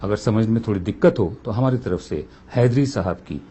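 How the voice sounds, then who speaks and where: A man's voice: on the low side, a little fast, mellow, slight background noise. A man giving a spoken commentary, impassioned and full of rhetorical questions.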